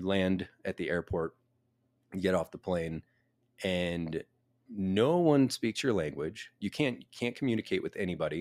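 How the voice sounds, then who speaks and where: With a very deep, low pitch, a man speaks at a moderate pace with long, frequent pauses, in a very clean recording with a silent background and a dry, close sound with no echo. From Southern California, Orange County. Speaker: video game founder. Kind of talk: casual interview.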